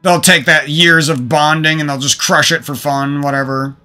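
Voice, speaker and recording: A man's voice: a little high, steady tone, normal speed, bright, forceful tone, soft background music. A man talking to his stream viewers into a desk microphone from a room at home, venting about past relationships in a rambling, profane way with many restarts. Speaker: gaming streamer.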